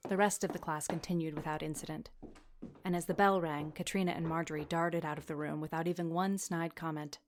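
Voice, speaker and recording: A woman plays a teenage girl at a Catholic school in an audio drama. Her voice sits a little low. She is serious and guarded, both speaking and narrating in the first person. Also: fairly even intonation, brisk, noisy background, close to an everyday voice. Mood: tense, reflective.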